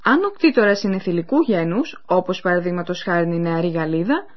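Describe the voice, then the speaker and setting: A woman presenting a radio language course, explaining clearly and speaking to listeners in scripted educational narration. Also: fairly low pitch, animated. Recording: dull lo-fi radio recording.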